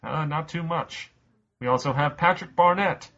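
A man's voice: a little high, normal speed, a bit bright, dull audio. A man hosting a casual podcast quiz game, rambling through the rules with lots of fillers. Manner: rambling, many uh fillers, loose explaining. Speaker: quiz show host.

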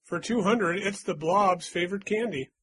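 Male quiz host, playful and teasing, slightly high husky voice, dry close sound. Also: normal speed, fairly bright tone, dry recording. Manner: playful, teasing, hums little doot-doot jingles. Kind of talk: casual podcast quiz reading.

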